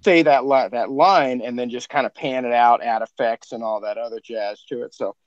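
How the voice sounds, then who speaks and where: A man's voice: medium pitch, normal speed, dry recording, lo-fi sound. A man on a podcast talking casually about a production, rambling and full of fillers as he praises the cast. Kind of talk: casual behind-the-scenes chat.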